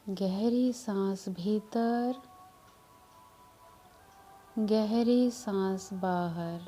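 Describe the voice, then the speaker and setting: Very slow, soothing woman guiding meditation. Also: mid-range voice, warm tone. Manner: soothing, measured, with long pauses. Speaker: meditation guide. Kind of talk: guided meditation, hypnotic relaxation instruction. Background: background music.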